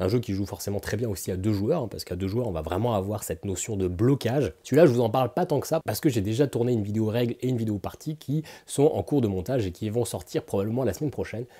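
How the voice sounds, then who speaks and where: Very fast and with hardly any pauses, a man's medium-pitched voice has lively intonation and a dark, mellow tone. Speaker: board game reviewer. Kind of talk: product review monologue. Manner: casual, with frequent hesitations.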